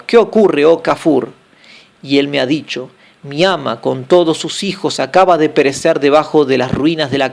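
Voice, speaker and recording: A man voicing a wealthy merchant master who scolds and curses his slave in anger, with slow, heavy stresses. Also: on the high side, gravelly. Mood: bewildered.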